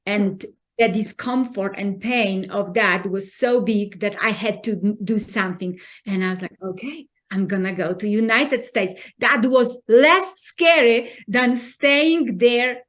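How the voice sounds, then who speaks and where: A woman from Poland with a Polish accent, a podcast guest talking in an earnest, encouraging way with halting non-native phrasing. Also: medium pitch. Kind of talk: conversational interview.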